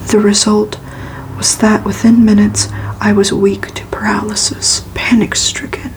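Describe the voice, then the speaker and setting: A woman reads a gothic novel aloud for ASMR in a soft, hushed whisper, narrating evenly. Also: medium pitch, rough recording. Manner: slow, hushed, even narration. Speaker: ASMR reader.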